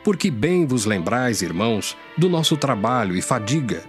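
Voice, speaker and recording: A man's voice: mid-range voice, big pitch swings, moderate pace. A man with a Brazilian accent giving a scripted, solemn and declamatory reading of scripture as an audio Bible. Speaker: scripture reader. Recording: music under the voice. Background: background music.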